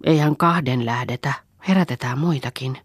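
A woman's voice: rumbling low, husky, no echo, studio quality. A woman voicing a drowsy young farm girl woken in the night, groggy and grumbling. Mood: eager.

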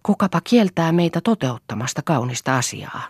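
A woman reading an audiobook, voicing an earnest wife who pleads and then turns quietly defiant. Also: low-pitched, big pitch swings, slightly rough, no room sound, clean studio sound, pitched above the performer's own voice, full character voice.

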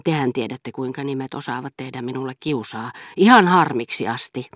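Nainen lukee turhamaisen ja itseensä tyytyväisen herttuan, joka puhuu leppoisasti ja viattomuutta teeskennellen. Ääni on kuiva ja lähimikitetty. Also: female voice, very deep voice, fairly bright tone, dry recording, studio quality. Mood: affable. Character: vain, self-satisfied aristocratic duke. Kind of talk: audiobook character reading.

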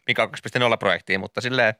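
A man's voice: fairly low pitch, steady tone, bright, forceful tone, no echo. A man co-hosting a radio show in a studio, chatting casually and defending himself playfully. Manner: playfully defensive, self-mocking. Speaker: radio co-host. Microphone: studio microphone.

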